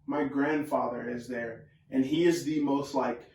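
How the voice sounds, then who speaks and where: A man's voice: medium pitch, steady tone, a little slow, a little mellow. A man co-hosting a podcast in casual chat, telling family stories and quoting relatives in dialogue. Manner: conversational, quotes family members in dialogue. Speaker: podcast co-host. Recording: echoey room, mic at a distance.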